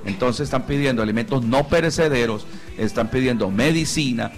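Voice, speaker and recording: A man's voice: medium pitch, a little fast, faint music behind. A Colombian man hosting a live Christian radio talk show, conversational, often repeating himself as he searches for words.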